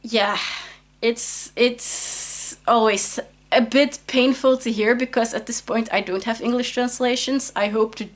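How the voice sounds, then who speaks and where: A Dutch-speaking woman from Belgium talks to her vlog camera about books in English. Her voice sits a bit on the high side, and she rambles with frequent ums and restarts. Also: steady tone, measured pace. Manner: chatty, rambling with many fillers and restarts. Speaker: author and vlogger. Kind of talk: casual vlog chat.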